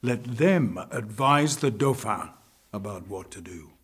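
A man playing a blunt, impatient medieval councillor lord in an audio drama, speaking deliberately and emphatically. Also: lowish voice, expressive, a bit bright, husky, exaggerated voice.

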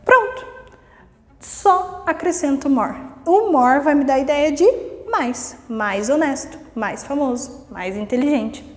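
High-voiced teacher, slow and encouraging. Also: female voice, long reverb tail. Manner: lively and encouraging, repeating "vamos lá" and "ok?"; reads English rules slowly, then explains them in Portuguese. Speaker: English teacher. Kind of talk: recorded online grammar lesson.

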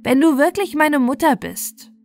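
A woman voicing a proud young boy in a fairy tale, with sharp, emphatic delivery. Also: high-pitched, measured pace, soft background music, pitched above the performer's own voice. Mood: scornful, angry. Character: proud, cruel, scornful young boy, later remorseful.

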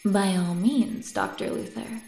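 A woman's voice: mid-range voice, a little slow, vocal fry, darkish tone, soft background music. A woman playing a condescending, wordy scientist in an audio drama, with theatrical delivery. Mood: dismissive. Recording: roomy, echoing sound.

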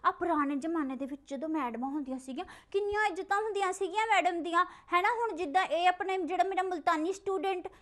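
A woman playing a loud, fussy comic schoolteacher who hosts a call-in show, with dramatic wailing and scolding. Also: extremely high pitch, fairly even intonation, fast, hardly any pauses. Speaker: call-in show host in character.

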